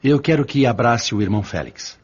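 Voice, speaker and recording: Earnest spirit friend in radio drama, husky voice, bit muffled. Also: male voice, medium pitch, animated, a little fast.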